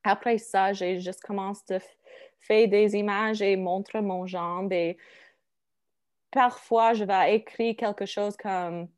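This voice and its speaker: Woman w/ english accent in french, slow n halting, keeps switching to english, casual chat. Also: medium pitch, fairly even intonation, clear, resonant tone. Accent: English-speaking accent in French. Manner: halting, searches for words in a second language. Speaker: interview guest.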